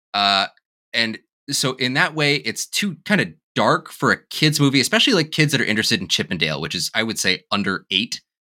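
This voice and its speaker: In a dry, close recording that is very clean with a silent background and no echo, a man speaks at a fairly high pitch with a bright, sharp tone and vocal fry. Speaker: podcast host. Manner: fast talker on mic.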